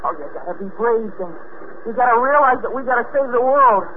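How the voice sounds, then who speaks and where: An actor playing an earnest, excitable boy in a 1950s radio drama, urgent and pleading. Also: very high voice, brisk, background noise. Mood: tense. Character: earnest, excitable boy convinced of a Martian invasion. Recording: tinny 1950s radio broadcast recording.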